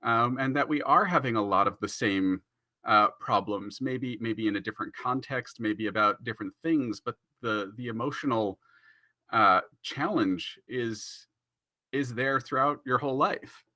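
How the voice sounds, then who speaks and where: Bright-voiced man moderating a panel. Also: mid-range voice, no echo. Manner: halting, reflective phrasing. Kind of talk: conversational moderating.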